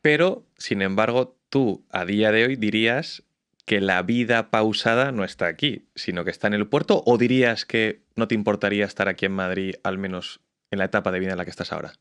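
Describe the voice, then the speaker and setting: A man hosts a podcast interview and asks long, meandering questions full of restarts. His voice sits on the low side. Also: fairly quick, a bit bright, smooth. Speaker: podcast host. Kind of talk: conversational interview.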